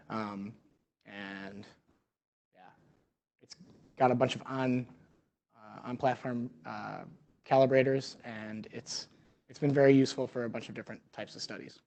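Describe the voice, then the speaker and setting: A man's voice: mid-range voice, a little mellow. Man giving a technical seminar. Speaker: research scientist presenting a seminar.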